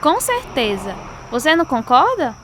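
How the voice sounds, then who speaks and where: A woman acting as a devout, sincere young pianist in a radio drama, speaking in an earnest, gently firm way. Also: high-pitched, huge pitch swings, normal speed, heavily acted. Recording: loud car ambience noise.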